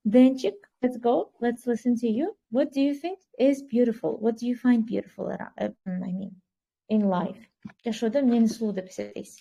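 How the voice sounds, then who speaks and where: A woman's voice: a little high, brisk, gravelly, mellow. Encouraging woman hosting a class. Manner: encouraging, switching between English and Kyrgyz. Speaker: speaking club host. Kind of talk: online English conversation class.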